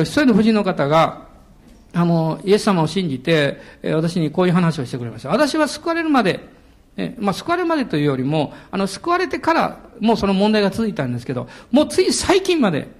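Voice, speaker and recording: A middle-aged man preaching a sermon as pastor, animated, laughing and shouting hallelujahs. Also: high voice.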